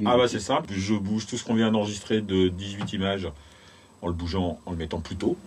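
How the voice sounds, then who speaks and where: Here is a man with a fairly low voice and ordinary pitch variation. He talks at a fairly quick pace. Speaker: sound engineer. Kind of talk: interview answer. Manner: hesitant.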